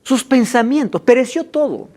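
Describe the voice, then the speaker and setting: Male pastor, emphatic sermon delivery, high and very animated pitch. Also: moderate pace. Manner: emphatic preaching, stretching key words. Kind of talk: sermon with Bible reading.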